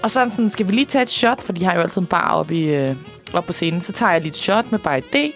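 Excited young woman with gravelly fry. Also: lowish voice, soft background music. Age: young adult. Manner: excited storytelling, swearing, laughing often. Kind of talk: casual chat.

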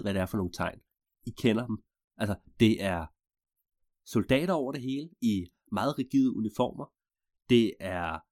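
A man telling an improvised story in a rambling, digressive way with deadpan asides. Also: on the low side, no echo, studio quality.

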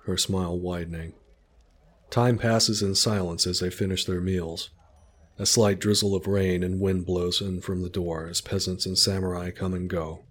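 Deep-voiced man narrating a story. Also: a bit bright, a little hiss or hum.

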